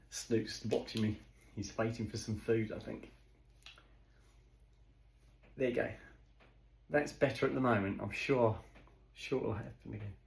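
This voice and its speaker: A man's voice: lowish voice, unhurried, gravelly, pauses often, reverberant, a little hiss or hum. A man chatting to his dog and his viewers while he prepares food in his home kitchen. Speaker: vlogger. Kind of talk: casual running commentary while doing kitchen chores. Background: dishes and kitchen clatter, a fridge gurgling.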